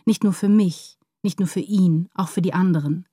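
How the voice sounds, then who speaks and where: A brooding, anguished woman writer in a literary radio play. Her voice sits on the low side, with a dark, mellow tone. She speaks inwardly and with measure, as if confiding her obsession. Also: normal speed, slightly rough, dry recording, studio quality. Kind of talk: literary radio drama monologue and dialogue.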